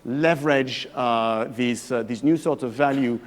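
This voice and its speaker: A man's voice: medium pitch, unhurried. A man in his thirties with a French accent, a professor giving an evening talk to a live audience in a chatty, hesitant way that often restarts phrases. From France. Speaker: guest lecturer, professor.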